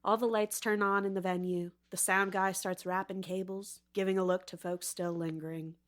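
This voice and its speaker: A woman's voice: medium pitch, little pitch movement, normal speed. A woman narrating a comic audio drama in a playful, mock-dramatic way. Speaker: podcast host and narrator. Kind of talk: scripted storybook narration.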